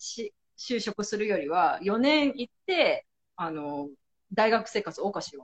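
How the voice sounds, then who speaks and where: An animated voice with very wide pitch swings and vocal fry, talking at a fairly slow pace. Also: woman. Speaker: stay-at-home mother and café organizer. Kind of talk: casual interview chat. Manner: animated, frequent laughter.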